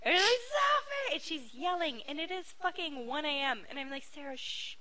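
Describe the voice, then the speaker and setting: A woman guest on a podcast, telling an excited story and acting out the people in it. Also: sits high, brisk. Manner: excited, acts out the people in her stories. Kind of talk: casual storytelling chat.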